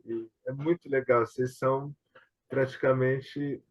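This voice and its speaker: Speaking in a steady, mid-range voice at a measured pace, a Brazilian man hosts a casual online tribute talk, rambling through anecdotes and tossing in frequent tag questions. His accent is Brazilian Portuguese, and the video call audio comes through dull and lo-fi.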